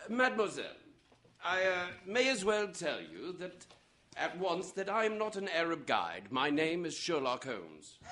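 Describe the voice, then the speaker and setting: A man playing a composed, courteous gentleman detective in a radio mystery, speaking formally and precisely. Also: on the high side, wildly swooping pitch, unhurried, heavily acted. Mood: reassuring, formal. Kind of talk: radio mystery drama acting.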